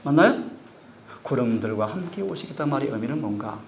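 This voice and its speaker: A man preaching a sermon, acting out scripture dialogue with big swings in pitch and loudness. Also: lively intonation, a little fast, vocal fry, a little hiss or hum. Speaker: pastor.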